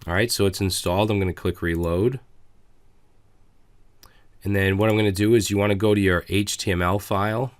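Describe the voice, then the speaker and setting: A man with a slightly raspy voice giving a relaxed, casual coding tutorial while clicking through his editor, with frequent fillers. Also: fairly low pitch, a little fast, pauses often, no room sound.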